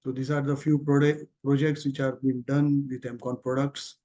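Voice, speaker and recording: A man's voice: medium pitch, level tone, normal speed, warm tone. A man with an Indian accent giving a company results presentation as an executive on a conference call, speaking informally. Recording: muffled, lo-fi conference call audio.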